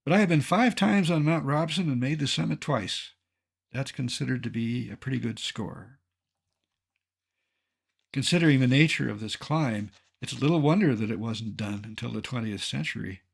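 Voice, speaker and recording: A man in his seventies from Colorado, a naturalist giving an illustrated lecture with dry, wry humor and a measured delivery. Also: mid-range voice, gravelly, breathy edge. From Colorado, United States. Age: 70s.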